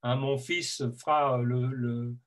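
A man's voice: mid-range voice, steady tone, slow, a bit bright. A man in his fifties hosting a casual chat on a video call from home, hesitant with many fillers and given to playful teasing. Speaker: host. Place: home room, indoors.

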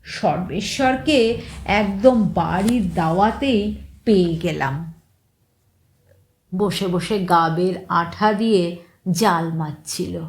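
A woman reading a first-person story aloud in a measured, expressive way, lifting her voice on key words. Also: lowish voice. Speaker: story reader.

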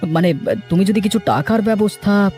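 A man's voice: high voice, moderate pace, darkish tone, soft background music, close to an everyday voice. A man voicing a poor, trusting village farmer in a cartoon, meek and plaintive. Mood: sorrowful, pleading. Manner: plaintive, pleading. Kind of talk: dramatic cartoon voice acting.

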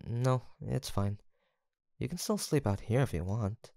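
A man playing a gentle, teasing young college roommate in an intimate audio roleplay, with a soft-spoken, hesitant manner. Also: medium pitch, animated, measured pace, creaky, dry recording, studio quality. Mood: gentle, tender. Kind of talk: intimate boyfriend-style roleplay acting, one-sided conversation.

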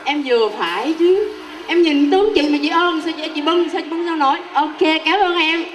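A woman's voice: very high voice, normal speed. A young woman with a southern Vietnamese accent hosts a live game show, joking and teasing with the people on stage. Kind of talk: live game show hosting with playful banter. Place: outdoor evening banquet stage. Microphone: handheld microphone. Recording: loud music, live PA at outdoor event.

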